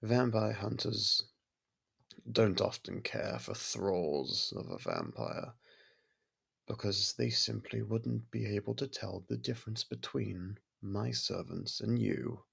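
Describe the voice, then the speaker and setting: A man voicing a courteous, possessive vampire lord in an ASMR roleplay, speaking formally with a gravelly, husky voice and a softly commanding manner. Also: on the low side, sing-song, slow pace, exaggerated voice. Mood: stern, cautioning. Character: courteous, possessive vampire manor lord softening toward a human.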